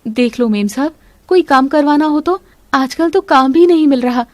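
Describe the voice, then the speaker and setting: A woman's voice: sits high, normal speed, darkish tone, dry recording, lightly acted. Woman voicing a humble pleading housemaid. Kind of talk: animated storybook voice acting.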